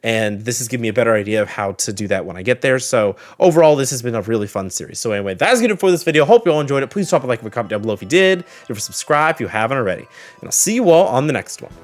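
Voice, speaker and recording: A man's voice: medium pitch, lively intonation, rapid-fire. A man giving a casual reaction and review as a video host, thinking aloud and often trailing off to reword his sentences.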